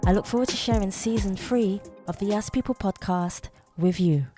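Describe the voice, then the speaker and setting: A woman's voice: mid-range voice, moderate pace, mellow, soft background music. A woman hosting a podcast, upbeat and effusive, thanking her guest often and asking long questions. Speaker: podcast host.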